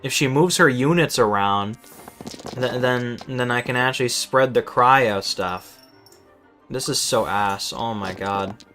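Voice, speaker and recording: Male streamer, mid-pitched, casual and exasperated, swears freely, stammers when flustered, music behind. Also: slow, sharp tone. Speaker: game streamer. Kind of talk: casual live gameplay commentary. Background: game music.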